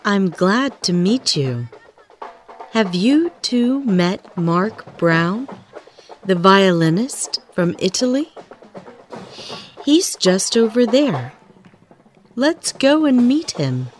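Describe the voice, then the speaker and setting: Very slow, clear female lesson reader. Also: medium pitch, very animated, soft background music. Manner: very slow, carefully enunciated reading. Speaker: textbook audio reader. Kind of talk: scripted language-lesson recording.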